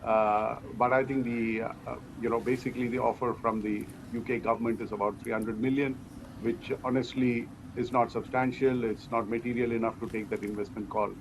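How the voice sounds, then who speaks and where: A man giving measured, explanatory answers as a company executive in an interview. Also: medium pitch, flat delivery. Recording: clearly noisy background.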